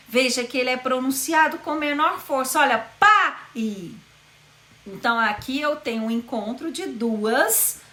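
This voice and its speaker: Woman teacher, bright higher voice, slow deliberate word demos, echoey room. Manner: slow, drawn-out demonstration of words. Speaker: Portuguese teacher. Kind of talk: explanatory video lesson.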